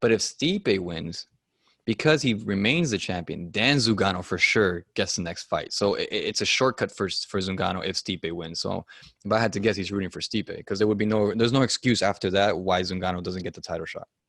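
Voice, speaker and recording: Delivered at a fairly quick pace with ordinary pitch variation, the speech sounds dry and close with no echo. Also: man, fairly low pitch for a man. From Miami, Florida. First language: Spanish. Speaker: podcast co-host. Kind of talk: casual chat.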